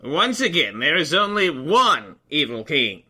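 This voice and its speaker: A woman's voice: low voice, very animated, measured pace, sharp tone, slightly rough, heavily acted. A woman playing a pompous, silly, melodramatic royal in a fantasy audio comedy, with a grand, hammy delivery. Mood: insistent. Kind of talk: audio drama comedy acting.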